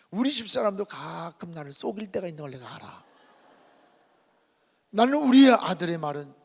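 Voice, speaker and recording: A middle-aged male pastor preaching a revival sermon, telling a story dramatically and swinging between hushed whispers and loud cries. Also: high voice. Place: church sanctuary. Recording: hall reverb.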